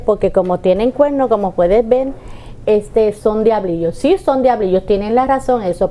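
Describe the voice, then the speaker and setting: A woman from Ponce, Puerto Rico, with a Puerto Rican accent, telling her story as an artisan guest in a lively way. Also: mid-range voice. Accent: Puerto Rican Spanish. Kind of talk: interview answers.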